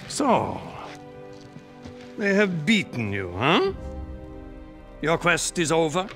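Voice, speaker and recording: A wise old survivor in a game cutscene, grave and probing. He speaks slowly and deliberately, his fairly high voice swooping expressively as he measures each phrase. Music swells clearly behind him. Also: sing-song, a bit bright, exaggerated voice. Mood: probing, solemn. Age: older. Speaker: game character actor. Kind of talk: dramatic video game cutscene acting.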